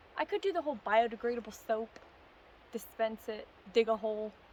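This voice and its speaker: Background noise is noticeable. A woman speaks at a moderate pace with a fairly high pitch. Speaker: car camping vlogger. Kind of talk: casual vlog narration. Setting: outdoors at a campsite. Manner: whispering.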